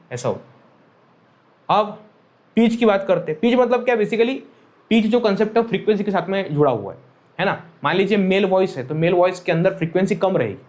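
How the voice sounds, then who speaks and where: A man's voice: high voice, a little mellow. A man teaching a physics lesson, repeating key phrases and often checking that students follow, mixing in English terms. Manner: mixes Hindi with English terms. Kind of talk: classroom lecture.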